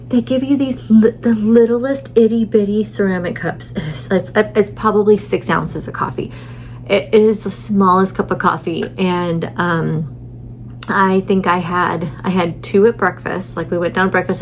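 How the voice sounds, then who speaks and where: A woman's voice: mid-range voice, slight background noise, poor audio. A middle-aged woman chatting casually in a vlog from a hotel room, rambling with many fillers, tired and a little stuffy. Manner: rambling, lots of fillers and restarts. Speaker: vlogger.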